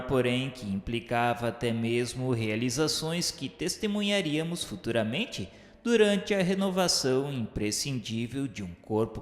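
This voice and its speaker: An actor with a Brazilian accent playing a solemn male spirit narrator in a radio drama, speaking in formal, measured, declamatory literary phrases. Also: mid-range voice, natural voice. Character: solemn male spirit recounting his afterlife studies and remorse. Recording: echoey hall reverb under music. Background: background music.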